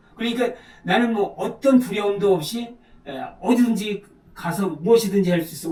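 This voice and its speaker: This man's voice sits high and moves fairly quickly, its pitch varying in an ordinary way. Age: 70s. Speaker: retired pastor and missionary. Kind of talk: interview.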